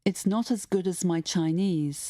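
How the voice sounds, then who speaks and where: A woman narrates a language lesson in a soft, mellow voice that is a little low. She reads scripted phrases and instructions clearly, in a dry recording. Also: moderate pace, dry recording.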